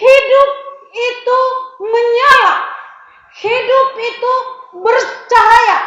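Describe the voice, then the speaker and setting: Her raised, projected voice sits at an extremely high pitch with a monotone, flat intonation, and audible room echo. This woman speaks very slowly, with long, frequent pauses. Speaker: preacher. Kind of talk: sermon.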